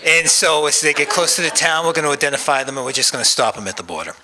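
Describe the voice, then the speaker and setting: A man's voice: fairly high pitch, expressive, quick pace, very noisy. A man answering questions at a public meeting, easygoing and joking.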